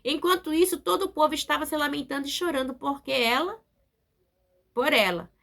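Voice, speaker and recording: A woman's voice: high voice, fairly quick, gravelly, fairly bright tone. A woman preacher giving a sermon, emphatic and repetitive, often asking her listeners to agree. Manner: emphatic, repetitive, with frequent tag questions.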